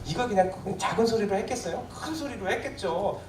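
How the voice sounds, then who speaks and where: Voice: medium pitch, animated, brisk, darkish tone, a little hiss or hum. A pastor preaching a sermon in a chatty, conversational way, often turning to the congregation with questions. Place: church sanctuary. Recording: echoey church hall, voice from a distance.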